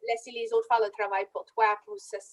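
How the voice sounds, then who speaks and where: A woman's voice: fairly high pitch, little pitch movement, a little fast. A woman moderating a casual panel discussion. She speaks emphatically and repeats her key phrases.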